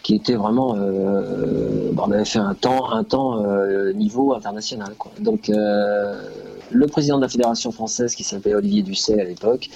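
An older French man, a former cyclist, telling stories in a hesitant, animated way full of fillers. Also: on the low side, normal speed, vocal fry, lo-fi sound. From France. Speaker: guest, former track cyclist. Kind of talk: casual conversation.

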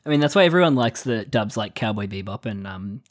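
A young woman co-hosting a podcast, relaxed and wry, trading jokes in casual chat. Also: a bass voice. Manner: relaxed, wry, quick to laugh. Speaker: podcast co-host.

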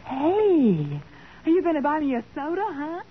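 A woman's voice: high-pitched, sing-song, normal speed. An actress playing a detective's pert, plucky young female assistant in a 1940s radio drama. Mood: puzzled, pert. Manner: pert, complaining. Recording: noisy, narrow-band old radio recording.

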